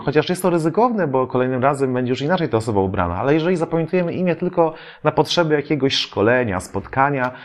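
Lively man teaching with animated pitch. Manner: explanatory, many filler "e" sounds, lively emphasis. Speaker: memory trainer. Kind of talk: educational talk to camera.

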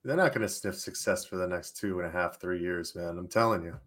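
A man's voice: low-pitched, a little fast, a bit bright. Man chuckling through sports banter. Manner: laughs between words, emphatic. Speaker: podcast co-host. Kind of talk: casual sports chat.

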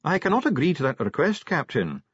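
A stiff, formal dwarf official who weighs every clipped word, as a male audiobook narrator puts him on. The voice sits well above the narrator's own and rises and falls a lot. There is a husky edge to it. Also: fairly high pitch, huge pitch swings, fairly quick, fairly bright tone, no echo, dull audio, pitched above the performer's own voice, exaggerated voice. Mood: guarded.

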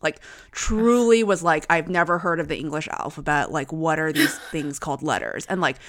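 A woman's voice: deep voice, moderate pace, a bit bright. A young woman co-hosting a podcast, telling a family story in a thoughtful, reflective way. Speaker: podcast co-host. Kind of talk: casual conversation.

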